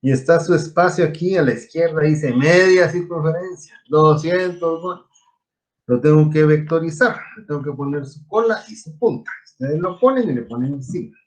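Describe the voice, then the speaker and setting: A man's voice: on the high side, moderate pace. A man from Guatemala teaching an online engineering class, explaining step by step and quizzing his students. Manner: explanatory, asks students questions.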